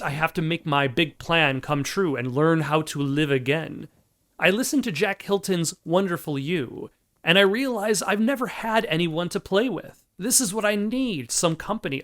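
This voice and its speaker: A man playing a video game who reads its text aloud in a plain, measured way, with casual asides. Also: on the high side, a bit bright. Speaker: let's play host.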